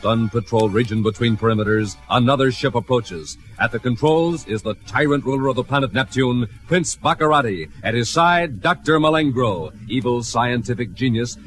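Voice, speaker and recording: A man's voice: medium pitch, fairly bright tone. A man narrating a classic radio adventure serial in a grandiose, dramatic style. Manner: grandiose, theatrical. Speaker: announcer and narrator. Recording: old radio broadcast, faint music.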